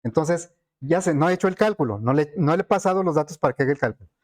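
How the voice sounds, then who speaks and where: Man teaching coding, slightly high voice. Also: animated, fast talker, a little mellow. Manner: thinks aloud with frequent fillers and checks with students. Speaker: programming teacher. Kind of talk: screen-recorded coding lesson.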